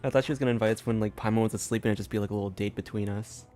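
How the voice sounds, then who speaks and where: A man's voice: lowish voice, fairly even intonation, racing, dark tone. A man casually thinking aloud as he gives live commentary on a game he is streaming. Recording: game music behind the voice.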